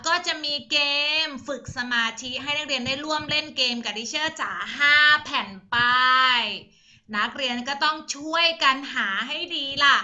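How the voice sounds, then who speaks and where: A young woman teaching a primary school English class over a video call, gently coaxing her pupils and spelling words out slowly. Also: sits high.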